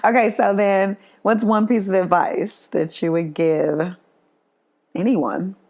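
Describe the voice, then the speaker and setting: A woman's voice: mid-range voice, steady tone, slow, darkish tone. A woman with an African American accent hosting a podcast in a casual, playful, slangy way. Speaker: podcast host. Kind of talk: casual chat.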